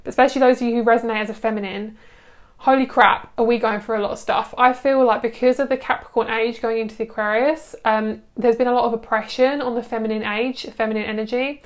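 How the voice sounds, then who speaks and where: A young adult woman with a voice on the high side gives a chatty, soothing tarot card reading to camera at a quick pace and steady tone. She gushes over the cards and uses lots of fillers.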